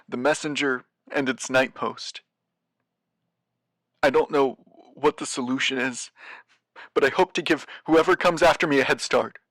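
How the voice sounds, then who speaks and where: An actor playing a weary, haunted postmaster of a doomed city in an audio drama, speaking gravely and haltingly as he searches for words. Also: a little high, a bit bright, no echo. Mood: resigned, hopeful. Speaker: guest voice actor. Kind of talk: audio drama monologue, recorded message.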